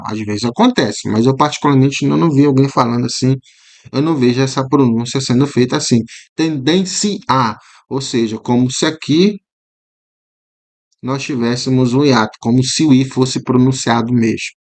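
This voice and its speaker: A Brazilian man with a Brazilian Portuguese accent, a teacher going through exam questions, often checking in with "né?" and repeating words slowly to show how they sound. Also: medium pitch. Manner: explanatory, frequent "né?" tags, repeats words slowly to model pronunciation. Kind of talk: commented exam walkthrough.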